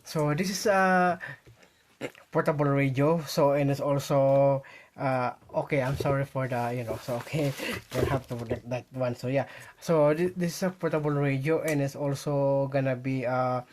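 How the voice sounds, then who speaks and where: A man with a Filipino accent talks casually to viewers in an unboxing vlog, halting and repeating himself as he thinks aloud. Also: medium pitch, fairly even intonation, darkish tone. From Philippines. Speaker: vlogger. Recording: noisy home recording with clicks.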